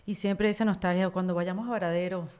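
A woman's voice: lowish voice, fairly even intonation, quick pace, darkish tone, clear, resonant tone. A woman from Venezuela with a Venezuelan accent, speaking conversationally as a podcast host. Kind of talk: conversational interview and sponsor read.

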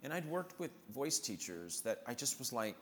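A man who performs in musical theater, telling lively anecdotes in conversation and acting out the people he quotes. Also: mid-range voice, moderate pace, long reverb tail, slight background noise. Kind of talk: storytelling in a conversation.

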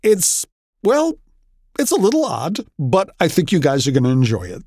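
A man introduces fiction on a podcast in a conversational way. His pitch moves around a lot, and the recording is tight and dry. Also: wildly swooping pitch, moderate pace, darkish tone, dry recording. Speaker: podcast host and story editor.

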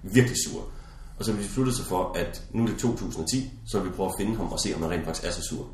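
Low-voiced man telling stories in an echoey room. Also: far from the mic. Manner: lively storyteller. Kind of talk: casual chat.

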